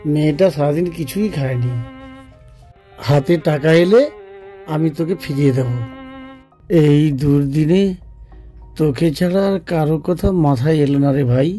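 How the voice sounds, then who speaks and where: An actor voicing a poor, kind-hearted village father in a cartoon, speaking in a pleading, gentle way. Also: fairly high pitch, moderate pace, long pauses, faint music behind, natural voice. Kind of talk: cartoon voice acting.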